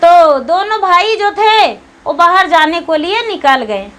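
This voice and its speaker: A woman's voice: extremely high pitch, expressive, takes it slowly, fairly bright tone. A woman narrating a Shiva devotional story, earnest and repetitive, often saying phrases twice.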